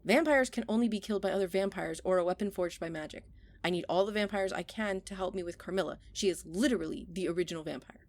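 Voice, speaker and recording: A no-nonsense action heroine played by a woman in an audio drama. She talks quickly at a middling pitch, blunt and impatient, giving orders like someone in charge. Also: close to an everyday voice. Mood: commanding. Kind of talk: audio drama comedy acting.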